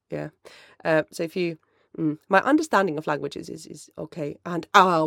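Mellow gravelly podcaster. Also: mid-range voice, no room sound, studio quality. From Finland. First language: Finnish. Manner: mellow, rambling, self-correcting. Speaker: podcast host. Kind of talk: casual solo chat answering listener questions.

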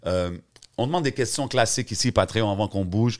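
Low-voiced Montreal host, franglais. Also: male voice, brisk. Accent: Montreal French. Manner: mixes English slang into French. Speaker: podcast host. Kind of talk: casual chat.

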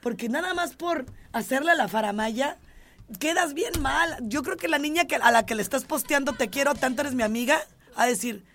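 A woman's voice: sits high, animated, moderate pace, a bit bright. A woman with a Mexican accent co-hosting a casual gossip podcast, playful and teasing with slangy remarks. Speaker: podcast co-host.

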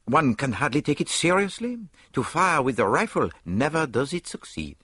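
A man's voice: mid-range voice, very animated, normal speed, bright, forceful tone, slightly rough, no echo, studio quality, voice pushed up, full character voice. A man reading aloud, voicing a fussy, vain male detective with a grand, precise manner.

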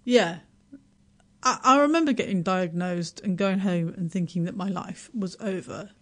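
A middle-aged woman from Yorkshire with a Yorkshire accent, chatting as a radio guest, self-deprecating and laughing often, with halting restarts. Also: lowish voice. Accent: Yorkshire English. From Yorkshire, England. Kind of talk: casual radio interview.

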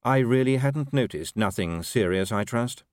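A man voicing an unruffled, quietly ironic city ruler in a story, careful, measured and understated. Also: mid-range voice, lively intonation, no echo, clean studio sound, close to an everyday voice. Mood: dryly ironic.

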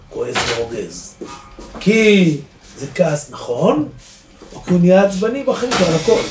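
A man, a rabbi giving a lively Torah lesson to a live audience, asking rhetorical questions and swinging between loud and soft. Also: on the high side. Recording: echoey room, distant mic, faint noise.

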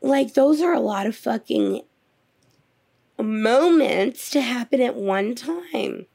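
A woman in her thirties, co-hosting a podcast, with a fairly high voice. She is blunt and swears freely, telling her stories with dramatic flair. She sounds worn out after being ill. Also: expressive, slow, vocal fry, darkish tone. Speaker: podcast co-host. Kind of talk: casual chat.

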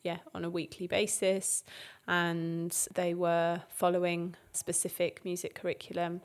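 A woman with an English accent, answering interview questions in a relaxed, thoughtful way with frequent fillers and restarts. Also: on the low side, creaky. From England. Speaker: guest. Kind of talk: conversational interview.

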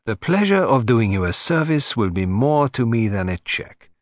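A man's voice: mid-range voice, big pitch swings, normal speed, no echo, close to an everyday voice. A man voicing a fussy, precise male Belgian detective with a French-tinged accent and a polite, dry manner. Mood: measured. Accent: French-tinged English.

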